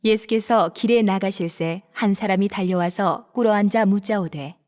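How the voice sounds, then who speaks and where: A woman narrating a dramatized Bible reading in a steady, formal reading voice. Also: medium pitch, moderate pace, in a large hall.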